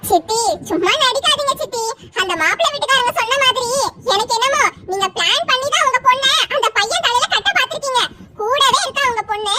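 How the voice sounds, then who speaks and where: A woman's very high, animated voice comes out fast with hardly any pauses, set against loud background noise. She's voicing cousin Aishu, a sharp-tongued, blunt, and sarcastic young woman who taunts her relatives.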